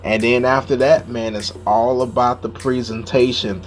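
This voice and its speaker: A man hosting a casual cooking video, relaxed and chatty, tacking "man" onto most of his sentences. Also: mid-range voice, moderate pace, faint music behind. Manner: laid-back, says "man" constantly. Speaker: cooking channel host.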